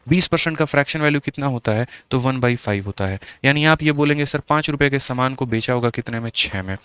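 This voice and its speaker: A man's voice: a little high, fairly bright tone, clear, resonant tone, no room sound. A man teaching exam-prep maths, explaining step by step and asking the class questions as he works through each answer. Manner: keeps addressing the viewer as "my brother".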